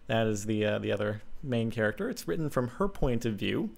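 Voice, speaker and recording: A man's voice: lowish voice, sing-song, brisk, creaky. Young man casually reading a story. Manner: casual, jokey, many ums. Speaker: channel host reading fan fiction. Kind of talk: reading a story aloud with asides. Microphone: desk mic at laptop.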